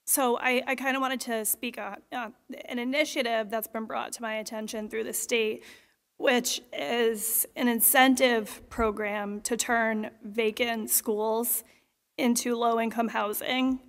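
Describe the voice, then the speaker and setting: A woman resident speaks at the podium during public comment, measured and hesitant, often stopping on fillers. Her voice is somewhat high and she keeps a flat, even tone. The sound carries long reverb from a big auditorium. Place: large school auditorium. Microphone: podium microphone.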